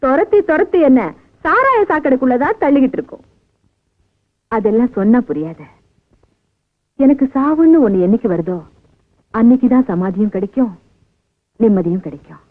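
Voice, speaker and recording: An actress playing a remorseful elder sister who speaks with heartfelt emotion. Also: female voice, on the high side, very animated, moderate pace, pauses often, phone-quality sound. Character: older sister figure, remorseful bootlegger woman. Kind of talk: 1990s Tamil film acting.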